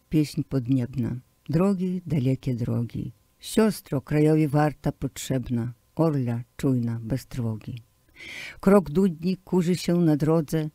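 A man reciting translated poems in a slow, declamatory way, pressing hard on key words. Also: on the high side, dark tone, dry recording. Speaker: poetry reader. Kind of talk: poetry recitation.

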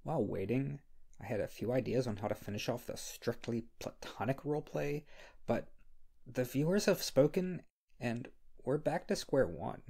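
A man playing a shy, flustered, insecure young scriptwriter in an intimate ASMR roleplay, speaking hesitantly with a husky, creaky voice. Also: medium pitch, a little mellow. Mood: anxious. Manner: hesitant, halting. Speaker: audio roleplay performer. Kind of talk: ASMR roleplay, intimate one-sided dialogue.

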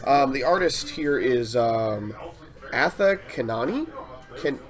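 A man's voice: mid-range voice, expressive, slow pace. A man co-hosting a show, casually reviewing a board game and stumbling over names. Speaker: co-host presenting a board game. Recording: crowd noise behind.

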